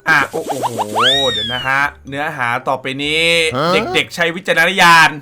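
A young man hosting a casual comedy reaction show, loud and crude, with frequent exclamations. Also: on the high side, moderate pace, heavy background noise. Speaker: reaction video host.

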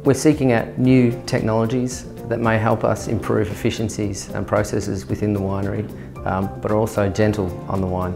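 A man, speaking as a winemaker in a filmed interview, measured and dotted with fillers. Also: fairly low pitch, flat delivery, creaky. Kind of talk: documentary interview. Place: indoor winery tasting room. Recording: music bed underneath.

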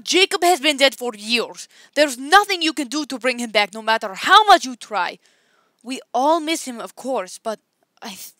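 A woman's voice: on the high side, bright, forceful tone, no room sound. A woman playing a blunt, protective middle-aged circus strongwoman in an audition, firm and emphatic.

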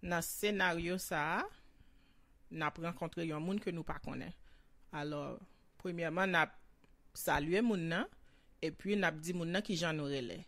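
A woman teaching a bilingual language lesson, explaining and repeating phrases slowly in two languages. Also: fairly low pitch, a bit bright, no room sound. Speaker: Haitian Creole teacher.

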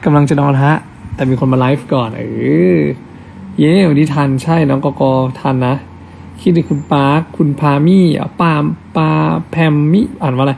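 Chatty young guy on a live stream reading comments, gravelly and a bit high. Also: fairly even intonation, moderate pace, a little mellow, slight background noise. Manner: chatty and affectionate, reads comments aloud. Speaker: actor hosting an Instagram live.

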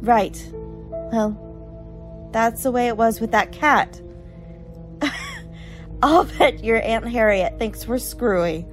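A woman playing a chatty, brisk college girl in a radio horror drama. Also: on the high side, faint music behind. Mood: reassuring. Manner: chatty, colloquial.

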